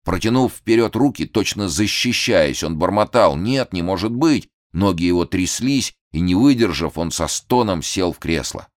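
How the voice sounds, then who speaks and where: A man reading a novel aloud as an expressive audiobook narrator. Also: deep voice, moderate pace, few pauses, no echo, studio quality. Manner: expressive storytelling. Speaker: audiobook reader. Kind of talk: scripted narration.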